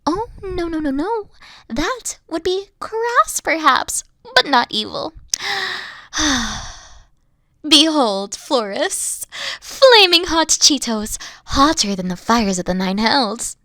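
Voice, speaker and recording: A woman playing a haughty but secretly soft, dorky evil queen in a roleplay audio, pompous, theatrical and easily flustered. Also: sits high, very animated, takes it slowly, dry recording, heavily acted. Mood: smug, gloating. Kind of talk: playful roleplay audio acting.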